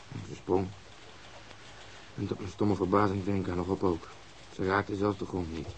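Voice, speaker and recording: A low male voice played by an actor as a police inspector in a radio play. He is blunt and irritable, a hot-tempered, proud man who speaks gruffly. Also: lightly acted, low-quality recording. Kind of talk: Dutch radio drama acting.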